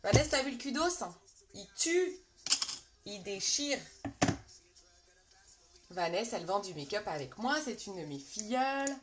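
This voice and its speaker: A woman with a French accent and a medium-pitched voice hosts a casual live makeup tutorial from her bedroom, where she also sells makeup. She talks fast with few pauses and big swings in pitch, greeting viewers by name and using many fillers. Background noise is audible.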